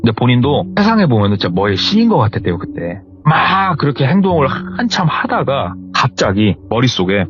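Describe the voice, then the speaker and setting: A man retelling a viewer's horror story in an animated, conversational way. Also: medium pitch, a little fast, few pauses, over music. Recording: slightly muffled lo-fi recording.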